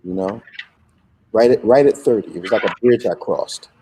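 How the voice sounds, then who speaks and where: An older man, a bishop, telling personal reflections conversationally in a measured, emphatic way. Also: on the low side, dark tone, slight background noise. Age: middle-aged or older. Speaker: bishop, guest.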